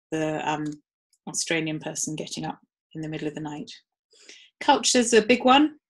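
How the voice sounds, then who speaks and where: A woman's voice: lowish voice, a bit bright. A woman giving a live webinar talk in a conversational way, with frequent ums. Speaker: webinar presenter.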